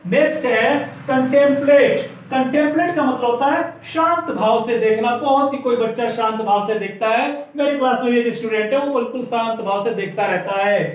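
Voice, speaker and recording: Brief: male language teacher with a very high voice, patient explainer, recorded from a distance. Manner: explains patiently, repeats words slowly for dictation. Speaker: English teacher. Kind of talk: classroom-style language lesson. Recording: very echoey room, voice off-mic.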